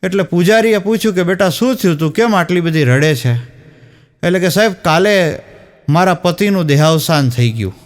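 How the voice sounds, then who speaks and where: A man, delivering stand-up jokes. He tells each story in a lively way and slips into the characters' dialogue as he goes. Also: high-pitched, moderate pace. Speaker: stand-up comedian. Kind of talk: telling jokes to a live audience.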